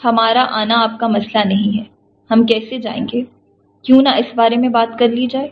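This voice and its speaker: A proud, indignant young woman speaks sharply in a storybook , voiced by a woman reading aloud. Her voice sits a little high, and the recording is slightly dull with a faint hiss behind it. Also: little pitch movement, vocal fry. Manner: sharp, scornful.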